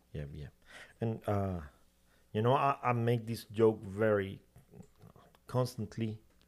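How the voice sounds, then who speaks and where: Speaking with a Spanish accent, a man keeps a fairly slow pace. His pitch variation is ordinary. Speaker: pastor. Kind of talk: casual chat. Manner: halting.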